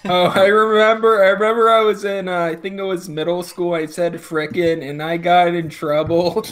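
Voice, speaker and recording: A young man in casual podcast chat, talking in a halting, hesitant way. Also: high-pitched, flat delivery, fairly bright tone.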